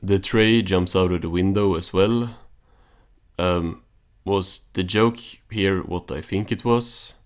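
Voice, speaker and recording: Male recap narrator, low register, casual and understated, dry commentary delivery. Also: takes it slowly, faint music behind. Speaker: video reviewer and narrator.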